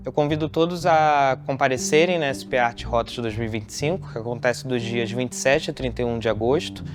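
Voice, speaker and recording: A man's voice: medium pitch, fairly quick. A man with a Brazilian accent speaking as a curator in an explanatory, promotional style. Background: music.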